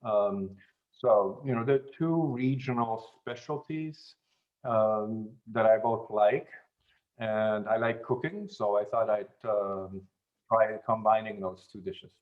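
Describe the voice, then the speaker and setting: A man who grew up in German-speaking Europe, chatting as an interview guest in an unhurried way, with many fillers and restarts. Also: on the low side, narrow, tinny audio. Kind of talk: casual interview chat.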